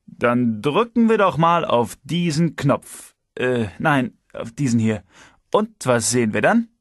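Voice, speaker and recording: Man voicing a security chief, former detective, teasing, preachy, pitched up, dry close sound. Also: slow, dry recording. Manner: lively, teasing, raised pitch. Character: shrewd, moralizing male security chief, ex-detective.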